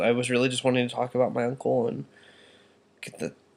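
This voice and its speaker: A man talks at a very fast pace. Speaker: vlogger. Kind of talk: personal vlog. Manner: halting, with stutters and ums.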